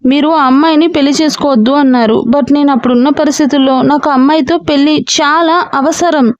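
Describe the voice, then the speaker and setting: Casting: a woman playing a pleading young man, high voice, slow, dry lo-fi sound. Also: steady tone, dry recording, lightly acted. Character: young man defending himself to his mother.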